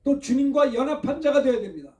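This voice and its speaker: A man's voice: extremely high pitch, animated, quick pace, darkish tone, roomy sound, far from the mic. A male pastor from Seoul preaching a Sunday sermon, asking the congregation questions as he goes. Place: church sanctuary.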